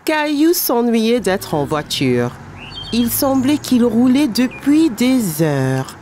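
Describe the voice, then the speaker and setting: A woman's voice: fairly high pitch, sing-song, slow pace, warm tone, faint music behind. A woman narrating a children's cartoon in the manner of a storybook reader. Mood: storytelling. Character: storyteller of a small boy's everyday adventures.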